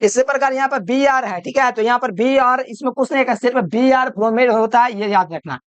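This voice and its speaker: A man's voice: very high-pitched, a little fast, clear, resonant tone, no echo. A man giving a chemistry video lecture, repeating each point and quizzing the listener with call-and-answer questions. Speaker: chemistry teacher. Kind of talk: classroom-style video lecture.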